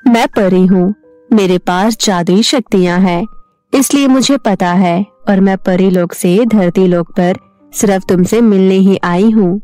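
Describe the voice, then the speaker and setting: A woman voicing a gentle young fairy bride who asks politely for help, in an animated storybook. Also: mid-range voice, a little slow, no room sound, faint music behind, natural voice. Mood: pleading. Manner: soft, polite and pleading. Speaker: voice-over artist.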